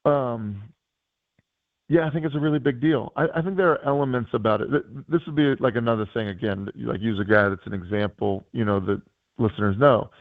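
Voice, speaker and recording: Hoarse man on a tinny phone line. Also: medium pitch, fairly quick, no room sound. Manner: rambling, many fillers and restarts. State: hoarse, losing his voice. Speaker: guest analyst and high school coach. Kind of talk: casual sports radio chat.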